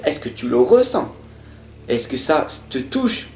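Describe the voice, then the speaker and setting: A man giving a monthly horoscope reading from tarot cards, talking in an earnest, repetitive motivational way, stuttering at times and swinging between loud and soft. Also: medium pitch, sing-song, unhurried, a little hiss or hum. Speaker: tarot reader. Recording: roomy sound with faint guitar music.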